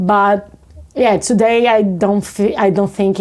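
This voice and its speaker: At a fairly slow pace, a woman with a Brazilian accent speaks at a medium pitch with fairly even intonation. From North East Brazil. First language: Portuguese. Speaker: yoga practitioner, support worker. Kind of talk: interview answer. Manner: loud, vibrant.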